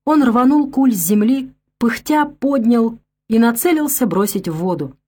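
A woman narrating an adventure audiobook in a steady, clear storytelling manner. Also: on the high side, moderate pace.

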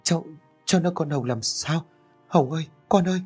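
A man voicing a gentle, frail elderly mother who wails in grief. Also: medium pitch, lively intonation, brisk, soft background music, natural voice. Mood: shocked.

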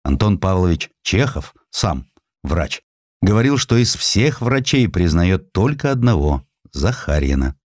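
Deep-voiced man narrating with lively expression. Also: no room sound, clean studio sound. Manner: expressive, measured storytelling with pointed pauses. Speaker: audiobook narrator. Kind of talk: scripted dramatized narration of a historical essay.

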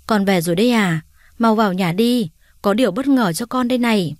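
A woman's voice: medium pitch, a little fast, dry recording, studio quality, lightly acted. A woman voicing an old grey-haired mother, speaking in a choked, emotional way.

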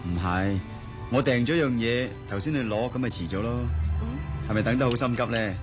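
An actor with a Hong Kong Cantonese accent playing a caring, punctual young boyfriend in a radio drama, speaking softly and gently. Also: male voice, medium pitch, moderate pace, over music, natural voice. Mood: teasing, gentle.

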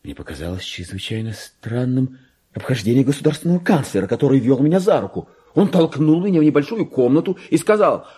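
A deluded, self-crowned madman in a literary radio drama. His voice is dark and mellow at a middle pitch, with very lively swings from hushed to shrill. He speaks with erratic, pompous grandeur, every phrase theatrically weighted. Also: fairly quick, slightly rough. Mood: earnest, bewildered. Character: deluded madman clerk, believes himself king of Spain. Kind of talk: dramatic literary monologue, Russian radio play.

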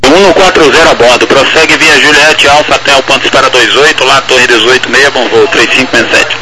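A man's voice: medium pitch, steady tone, brisk. A man working as an air traffic controller, giving clipped procedural instructions over a crackly military-sounding radio. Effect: crackly aviation radio, like military radio. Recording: very noisy crackly radio transmission.

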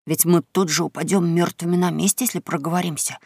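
A boy who takes the lead talks in a low, secretive whisper, as a woman voices him. The storybook reading is close and dry, with a gravelly grain. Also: normal speed, no echo, full character voice. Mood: hushed. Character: boy, the bolder leader, whispering. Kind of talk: audiobook character reading.

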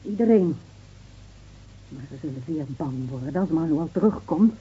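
An actress playing a bitter, grieving village wife in an intense, emotional radio drama. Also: female voice, deep voice, animated, normal speed, breathy edge, exaggerated voice. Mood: bitter, accusing. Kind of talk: Dutch radio drama acting. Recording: muffled, phone-like old radio recording.

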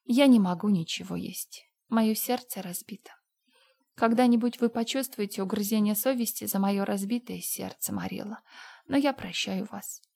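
A woman's voice: mid-range voice, moderate pace, vocal fry, warm tone, husky. An actress playing Anne, a dreamy, dramatic orphan girl of about eleven, with emotional, theatrical pleading. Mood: tragic sulking.

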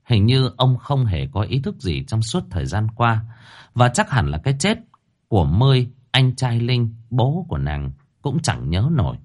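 A man's voice: mid-range voice, wildly swooping pitch, moderate pace, darkish tone. A man narrating a horror story in a dramatic, suspenseful manner. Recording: faint music bed under the voice.

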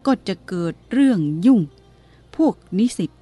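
Woman reading a blunt, calm old abbot. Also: faint music behind, close to an everyday voice. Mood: firm. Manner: plain-spoken, firm, unhurried.

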